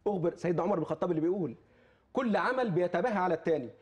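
Fervent fast-talking Egyptian preacher man. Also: sits high, animated, darkish tone. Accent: Egyptian Arabic. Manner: impassioned, quotes scripture, repeats oaths. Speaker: charity foundation guest. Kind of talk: fervent religious talk-show preaching.

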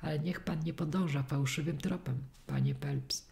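A woman's voice: low-pitched, wildly swooping pitch, moderate pace, creaky, dark tone, exaggerated voice. A woman reading as a pushy, impatient male doorkeeper. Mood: insistent.

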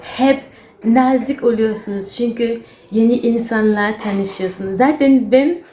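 A young adult woman from Cameroon with a Cameroonian accent, a non-native learner speaking halting, broken Turkish as she tells stories casually to camera. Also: on the high side, warm tone, slight background noise. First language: not Turkish, a foreign learner. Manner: foreigner's broken Turkish, halting with word searches. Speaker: vlogger. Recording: roomy echo, faint music.

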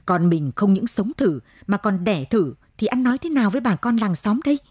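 A woman's voice: medium pitch, animated, a little fast, darkish tone, husky, no room sound, studio quality, voice pushed up. A woman voicing an older village mother who scolds and laments. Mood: lamenting. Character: distraught older village mother, sharp-tongued.

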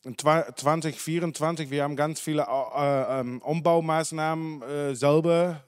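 Dutch-accented man, halting talk, clear voice. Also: fairly high pitch, steady tone, no room sound, clean studio sound. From Netherlands. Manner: halting, many fillers and self-corrections. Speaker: dairy farmer speaker. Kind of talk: unscripted talk at a symposium. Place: large conference hall. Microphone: handheld microphone.

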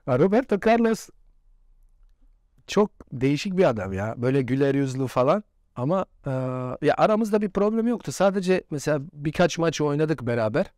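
A man's voice: a little high, big pitch swings, a little fast, a little mellow, dry recording, clean studio sound. A former footballer in his forties, a man, telling stories in a casual interview and laughing often. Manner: chatty anecdotes with frequent laughs.

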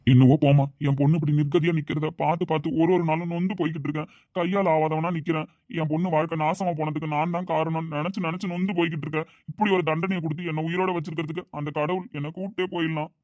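Speaking very fast in a slightly high, darkish voice with little pitch variation, a man portrays a grieving older father full of guilt and tenderness toward his daughter. It's amateur family drama acting, heavy-hearted and sorrowful, close to his everyday voice. The audio is dull and lo-fi, with no echo.

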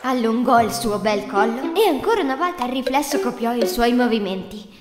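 A woman's voice: a little high, lively intonation, brisk, echoey room, big-room sound, noisy background. A woman narrating a children's fairy tale in a scripted storybook style.

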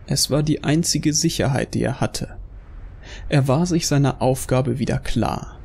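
A man narrating a dark audio drama from a script, as the storyteller. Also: medium pitch, a little slow, vocal fry, breathy edge.

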